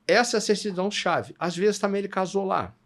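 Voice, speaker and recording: Brazilian man patiently explaining, slightly high voice. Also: a little fast, fairly bright tone. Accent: Brazilian Portuguese. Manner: patient explaining, often checks understanding with tag questions. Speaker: Italian citizenship consultant, guest. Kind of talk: explanatory podcast interview.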